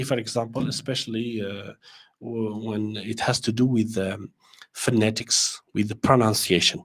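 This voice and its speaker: An Algerian man gives a language lesson in a mid-pitched voice. He rushes through his Arabic and then slows right down for careful English. He fills his pauses with many "uh"s. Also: husky. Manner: switches between rapid Arabic and slow deliberate English, many fillers. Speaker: language teacher.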